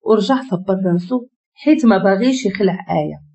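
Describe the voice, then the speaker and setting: A woman with a Moroccan accent narrating a dramatic story in an expressive, emotive way. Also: mid-range voice, a little fast.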